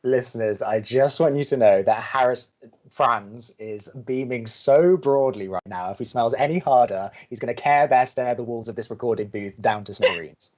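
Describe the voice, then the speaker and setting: A man's voice: mid-range voice, moderate pace, darkish tone, highs cut off, natural voice. A man playing a sardonic, awkwardly romantic young college radio co-host with a dry manner, in a scripted audio drama. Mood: teasing.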